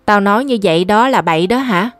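A woman's voice: medium pitch, lively intonation, fast talker, no room sound, soft background music, close to an everyday voice. A woman voicing an angry, stubborn young boy who answers back defiantly. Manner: defiant, reproachful retorts.

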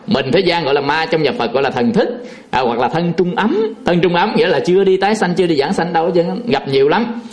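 A man's voice: a little high, lively intonation, fast. A man, a Buddhist monk telling a folksy, chuckling story in a sermon, full of fillers.

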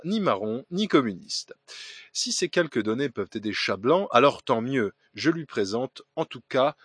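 A man's voice: medium pitch, slightly rough, dry recording, studio quality. A man hosting a podcast, reading listener letters aloud with hesitant fillers, restarts and ironic asides. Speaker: podcast host.

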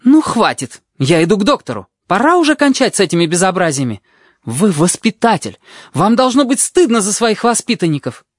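Guy doing a squeaky outraged nurse lady, swings up and down a lot when she scolds. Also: very animated, moderate pace, no echo, studio quality. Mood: furious. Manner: shrill indignant scolding. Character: stern scolding woman nurse, easily outraged.

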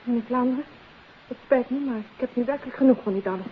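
A woman's voice: a little high, quick pace, slightly rough. An actress playing a guarded, anxious young woman in a 1950s radio drama, hesitant and defensive. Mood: indignant. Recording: hissy old phone-like radio recording.

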